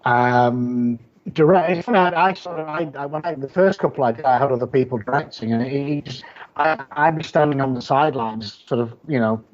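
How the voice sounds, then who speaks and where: A man's voice: mid-range voice, brisk, dull audio. A man with a Yorkshire accent chatting casually as an interview guest, blunt and rambling, often restarting his sentences. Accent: Yorkshire English. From Yorkshire, England. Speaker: guest, horror author and publisher.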